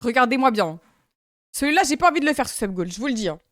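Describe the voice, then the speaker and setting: Very animated and fast, a young streamer from France talks casually with her live audience, often breaking off to laugh and react. Her high, bright voice is captured in a dry, close recording without any room ambience.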